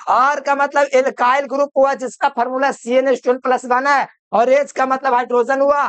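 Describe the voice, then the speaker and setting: A man's voice: extremely high pitch, fairly bright tone, smooth, no echo. A man teaching chemistry in a lecture, often calling students dear children and answering his own questions. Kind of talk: classroom lecture.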